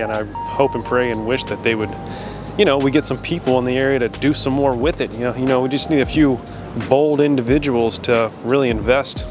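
An American man in his thirties from Louisiana talks casually and reflectively as he walks outdoors, rambling informally into a handheld camera. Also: medium pitch. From Shreveport, Louisiana, United States. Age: 30s. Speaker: vlogger, creative freelancer. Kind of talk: casual walk-and-talk vlog. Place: outdoors on a downtown street. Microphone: handheld camera at arm's length. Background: background music.

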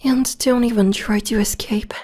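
A woman voicing an obsessive, possessive young vampire lover in an ASMR roleplay, soft, breathy and often whispering, cooing intimately with sweet menace. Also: on the high side, steady tone, normal speed, natural voice. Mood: sweetly threatening.

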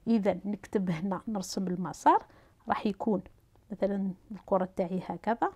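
A woman with an Algerian Arabic accent teaching a physics lesson, talking students through each step as she writes and draws, pausing with fillers and restarting. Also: mid-range voice, fairly even intonation, darkish tone, husky.

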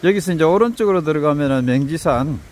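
A man casually narrating a mountain hike as he walks, pointing out the trail and the sights in an unhurried way, recorded outdoors on a handheld camera. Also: on the high side, lively intonation, a little mellow, slight background noise. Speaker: hiking vlogger.

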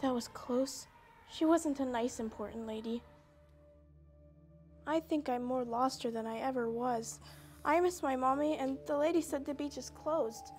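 This is a little lost puppy dog in a children's puppet show, voiced by a woman. The voice sits high, sweet and innocent, with a childlike openness. Soft music plays faintly behind. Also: a little slow. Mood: worried.

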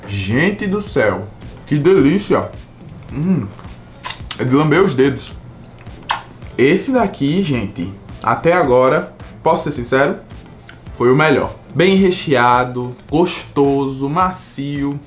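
A man's voice: a little high, expressive, slow pace, long pauses, soft background music. A Brazilian man vlogging a taste test, talking with enthusiasm while chewing his food. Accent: Brazilian Portuguese. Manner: enthusiastic, emphatic praise. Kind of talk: casual taste-test vlog.

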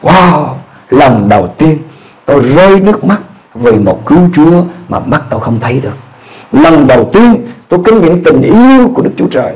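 Fervent Vietnamese-speaking man preaching, high voice. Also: sing-song, moderate pace, low-quality recording. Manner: swings from low quiet narration to loud high fervent exclamations. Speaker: pastor. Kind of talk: sermon testimony.

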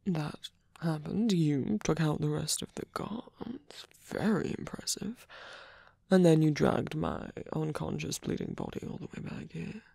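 A man playing a tired, wounded villain softening toward a lover in an intimate ASMR roleplay, breathy and hesitant, often half-whispering close to the mic. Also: fairly high pitch, sing-song, no echo, heavily acted. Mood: wry, guarded. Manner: hesitant, halting, with long pauses and sighs. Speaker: ASMR voice actor. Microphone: close microphone, dry.

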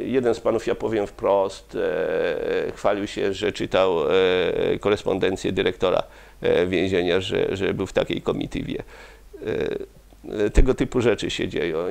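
Hesitant gravelly-voiced man in his fifties. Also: sits low, darkish tone. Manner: hesitant, many pauses and restarts. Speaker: interview guest. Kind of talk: studio interview. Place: small studio with curtain backdrop. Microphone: lapel mic.

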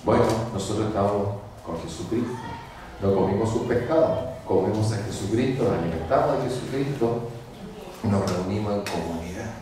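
A man, a priest giving a homily at mass and telling stories with lively acted-out voices. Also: fairly low pitch, moderate pace, crowd noise. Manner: lively storytelling, acts out voices. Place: large church. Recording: echoey church from far off.

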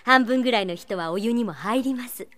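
A woman's voice: a little high, a little fast, a bit bright, close to an everyday voice. A woman playing a shrewd, sly young companion in a radio drama, with a polished, sarcastically sweet manner. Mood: breezy, covering up. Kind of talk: Japanese radio drama acting.

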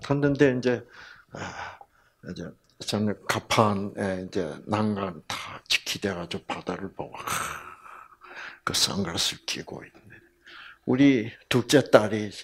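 A man giving a storytelling Bible lecture to a live audience. He asks the audience questions, acts out the people in his story and often drops to a whisper. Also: on the low side. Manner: slow, animated delivery, often dropping to a whisper.

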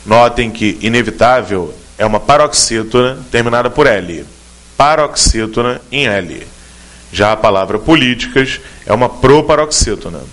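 A man's voice: mid-range voice, fairly bright tone. A man with a Brazilian Portuguese accent teaching a grammar question in an exam-prep video lesson, explaining step by step and speaking straight to the student. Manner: clear, methodical explanations addressing the student directly.

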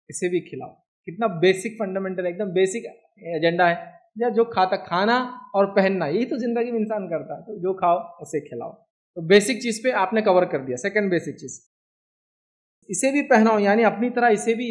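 Over dull-sounding audio, a high-voiced, slightly mellow man with an Indian Hindi-Urdu accent delivers an Islamic lecture. He talks in a chatty, conversational way and repeatedly checks with listeners by asking "do you understand?"

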